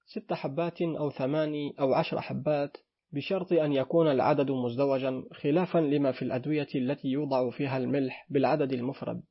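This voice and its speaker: A man's voice: medium pitch, fairly even intonation, fast talker, slightly rough. A man reading a pedantic old doctor. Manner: pedantic instructing. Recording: dull lo-fi recording.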